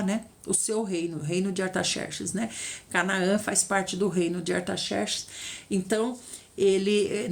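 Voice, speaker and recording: A middle-aged woman with a Brazilian Portuguese accent leading an informal Bible study, retelling the story in a chatty way and often checking in with her listeners. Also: medium pitch. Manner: chatty storytelling, tag questions, lively retelling. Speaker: Bible teacher.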